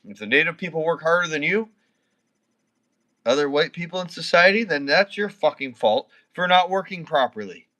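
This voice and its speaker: A man in his thirties from Canada, drunk and slurring, rambles and swears constantly while casually chatting with viewers on a livestream. His voice is fairly high, animated, bright, and forceful, at normal speed.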